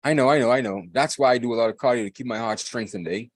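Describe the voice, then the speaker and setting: A man's voice: medium pitch, rapid-fire. A man, hosting a podcast in a hyped, rambling casual chat, repeating himself and laughing often. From Bahamas. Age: 40s. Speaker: podcast host.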